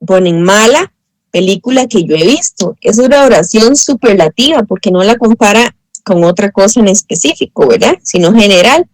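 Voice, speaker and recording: A woman's voice: medium pitch, no room sound, poor audio. Woman teacher, patient and explanatory, dry close mic on a video call. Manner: patient, explanatory, spells out letters slowly. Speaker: English teacher. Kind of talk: online exam review lesson.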